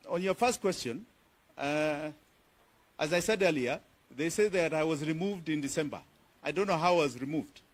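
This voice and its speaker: A Kenyan-accented man with a slightly high voice, speaking as a politician fielding reporters' questions at a press conference. He answers firmly and emphatically, repeating his key phrases.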